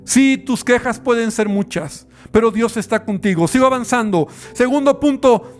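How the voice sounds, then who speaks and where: A man's voice: extremely high pitch, normal speed, faint music behind. A man with a Mexican Spanish accent, a pastor preaching a sermon and asking the listener questions as he goes.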